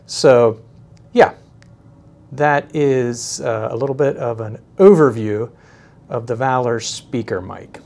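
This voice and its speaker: Guy doing an offhand gear review, average pitch, kinda halting and hunting for his words. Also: gravelly, darkish tone. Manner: hesitant, halting, often searching for words. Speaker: product reviewer. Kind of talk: casual unscripted product demonstration.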